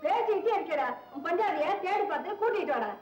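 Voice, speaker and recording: An actress playing an old village woman in an old film, talking fast in a shrill, scolding way. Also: expressive, highs cut off. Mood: fretful. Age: older. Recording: echoey old film soundtrack with music.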